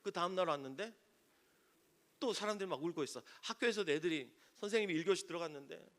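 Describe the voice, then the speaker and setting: Bright-voiced preaching pastor, a man. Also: high voice, quick pace. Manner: preaching with dramatic swings from loud cries to near-whispers; acts out quoted voices in stories. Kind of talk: sermon.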